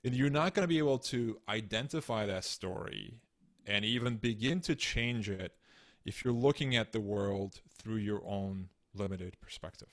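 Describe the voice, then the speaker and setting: A man in his thirties from Turkey, explaining ideas in measured, earnest interview answers over a video call. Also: fairly low pitch. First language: Turkish. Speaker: guest author. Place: home room, indoors. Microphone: studio mic on stand, video call.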